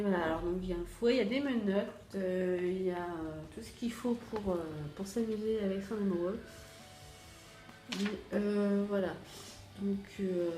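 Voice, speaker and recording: A French-accented woman chatting casually through a beauty box unboxing, hesitant and full of fillers. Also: mid-range voice. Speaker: beauty vlogger. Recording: echoey room with faint music.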